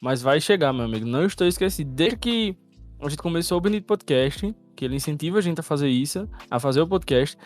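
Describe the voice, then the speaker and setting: Host guy fumbling a bit as he moves the chat on, highish voice, music low behind. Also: lively intonation, quick pace. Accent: Brazilian Portuguese. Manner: hesitant, restarting, steering the talk. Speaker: podcast host. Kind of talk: casual chat.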